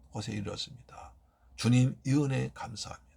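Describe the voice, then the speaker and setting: At a fairly quick pace, a man talks with vocal fry. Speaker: pastor. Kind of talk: sermon and prayer. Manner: fast.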